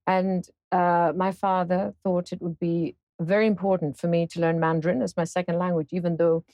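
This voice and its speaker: A woman in her fifties from Singapore, a guest in an interview, speaking thoughtfully with many pauses and fillers. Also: on the low side, little pitch movement, warm tone, no room sound. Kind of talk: casual interview conversation.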